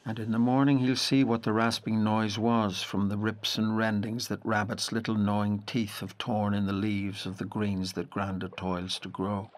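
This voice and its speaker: A man with a Northern Irish accent playing a reflective storyteller, narrating a literary audio drama in a measured, deliberate way. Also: lowish voice, little pitch movement, natural voice. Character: reflective male storyteller recalling a boy's rural Irish childhood.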